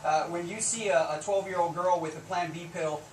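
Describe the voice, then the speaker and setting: Higher-voiced male border officer, echoey and distant. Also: fairly even intonation, fairly quick. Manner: border officer's earnest, insistent, plain-spoken argument. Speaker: Border Patrol agent being interviewed. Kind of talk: live news interview answers. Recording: roomy echo, distant mic, faint noise.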